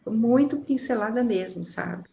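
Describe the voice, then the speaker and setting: A woman's voice: fairly high pitch, measured pace, gravelly, mellow, dull audio. A woman, thoughtfully recounting her experiences as an interview guest. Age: 40s. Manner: reflective, many fillers like "né" and "assim". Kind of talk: casual conversational interview. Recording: faint background noise.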